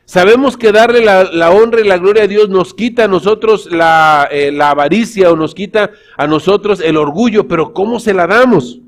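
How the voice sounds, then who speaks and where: Man, pastor, high voice, sermon, storytelling. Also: normal speed, few pauses. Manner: storytelling, addresses congregation as brothers. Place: church.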